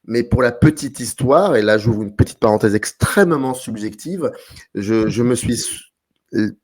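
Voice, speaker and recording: A man's voice: medium pitch, moderate pace, a little mellow, breathy edge. A man from France hosting a casual film discussion, thinking aloud with enthusiasm. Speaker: host.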